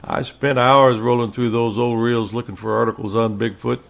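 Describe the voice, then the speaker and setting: An actor playing a friendly, polite captain in an audio drama, plain-spoken and given to reminiscing. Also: male voice, mid-range voice, flat delivery, normal speed, vocal fry, a bit bright. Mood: friendly, nostalgic.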